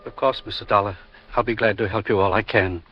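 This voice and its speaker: Actor as low, husky, courteous jeweler. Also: male voice, steady tone, fast talker, soft background music, natural voice. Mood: polite, sombre. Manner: polite, formal, obliging. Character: courteous, subdued male jeweler, a bereaved business partner. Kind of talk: 1950s radio drama acting. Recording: dull vintage radio recording.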